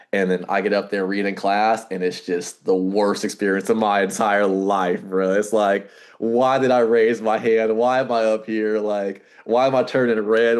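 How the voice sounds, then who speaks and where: A man talks at a moderate pace in a fairly low, monotone voice with very even loudness. He leaves hardly any pauses. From US West Coast, Portland, Oregon. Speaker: marketing manager. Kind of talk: casual chat.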